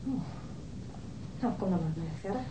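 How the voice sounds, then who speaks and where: An actress playing a guarded, halting, middle-aged widow in a naturalistic radio drama. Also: female voice, medium pitch, lively intonation, very noisy, lightly acted. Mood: wary, defensive. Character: guarded, widowed older housewife who minds children.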